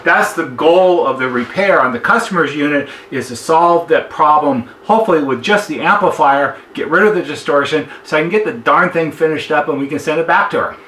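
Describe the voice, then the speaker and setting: A man's voice: a little high, a little fast, few pauses, sharp tone. A man giving an informal, methodical technical demonstration as a repair technician, explaining each step. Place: indoor repair workshop. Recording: roomy echo, clearly noisy workshop background.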